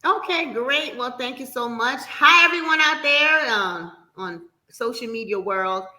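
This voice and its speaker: A middle-aged woman who grew up in New Jersey after being born in Jamaica speaks as an upbeat, laughing interview guest. Her voice is bright and ringing, pitched a little above average. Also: animated, measured pace, poor audio. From Jamaica, raised in New Jersey. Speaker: mortgage broker guest. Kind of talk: casual interview talk.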